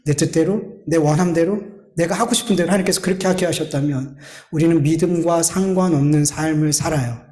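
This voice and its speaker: A male pastor with a fairly high, darkish voice preaches briskly in a church sanctuary, earnest and pleading. He often turns to speak directly to the congregation, and the recording echoes through the church hall.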